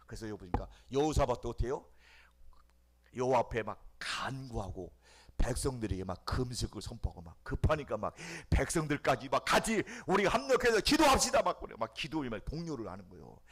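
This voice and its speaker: Middle-aged male pastor, sermon delivery, very animated pitch, loud-to-whisper swings, repetitive emphasis. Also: brisk. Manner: repeats phrases for emphasis.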